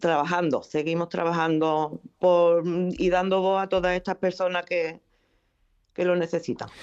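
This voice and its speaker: At a fairly slow pace, a woman with a fairly low pitch talks in a monotone, flat way at very even loudness. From Huelva, Andalusia. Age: 50s. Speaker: widow and former carer of an ALS patient. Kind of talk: radio interview.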